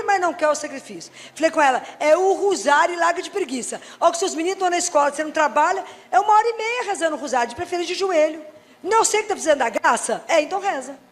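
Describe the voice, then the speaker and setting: A middle-aged woman from Brazil, a doctor giving a faith talk full of personal stories, chatting with her listeners and acting out the dialogue. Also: high voice. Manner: conversational, storytelling, acts out dialogue, humorous asides. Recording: reverberant hall.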